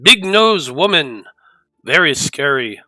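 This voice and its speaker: Man doing a bright, blunt little fantasy creature. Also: a little high, sing-song, takes it slowly, no room sound, exaggerated voice. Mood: earnest.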